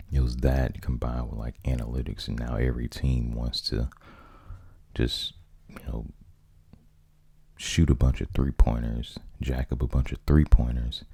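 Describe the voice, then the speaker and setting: Very deep, gravelly American man, soft-spoken ASMR. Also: dry recording. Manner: rambling, conversational. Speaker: ASMR video host.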